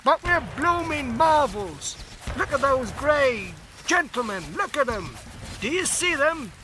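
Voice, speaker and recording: A man's voice: very high voice, big pitch swings, slow, noisy background, pitched above the performer's own voice, exaggerated voice. A man doing an amazed, bellowing British soldier. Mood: astonished. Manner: loud, astonished bellowing. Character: excited young male British soldier, marveling.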